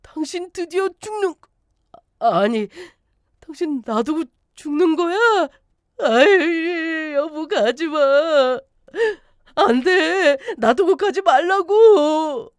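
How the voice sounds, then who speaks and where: A woman's voice: high-pitched, sing-song, normal speed, no echo, clean studio sound, pitched above the performer's own voice. A woman putting on a whiny greedy husband. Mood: fake wailing. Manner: wheedling, fake sobbing pleas. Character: whiny scheming greedy middle-aged husband. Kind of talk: storybook narration.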